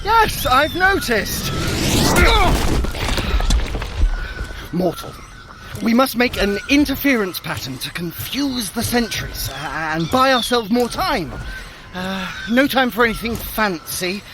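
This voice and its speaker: A man playing a quick-witted, scheming god in an audio drama, sardonic, urgent and commanding in manner. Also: very high-pitched, very animated, background noise, full character voice. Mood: harried, dry. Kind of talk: audio drama acting for a fitness adventure.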